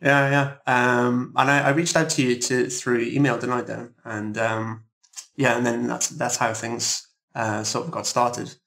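Halting man with a fairly even tone. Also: medium pitch, gravelly. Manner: hesitant, halting, often repeats words. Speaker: guest, composer. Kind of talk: casual interview chat.

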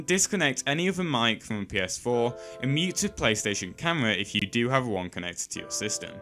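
A man's voice: medium pitch, bright, forceful tone. A man reads scripted step-by-step instructions as a tutorial host, with emphatic sing-song phrasing that drops at sentence ends. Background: background music.

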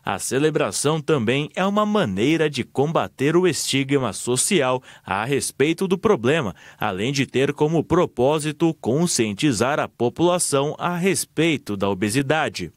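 A man with a Brazilian Portuguese accent reading a scripted news report in a steady, measured way. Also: medium pitch, no echo, clean studio sound.

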